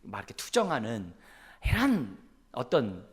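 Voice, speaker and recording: A middle-aged man preaches in a church with a middle-pitched voice that swings widely up and down. He is quick-tempered by his own account and acts out scolding parents and a mumbling son. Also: wildly swooping pitch. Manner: calls himself quick-tempered. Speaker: pastor. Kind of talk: sermon.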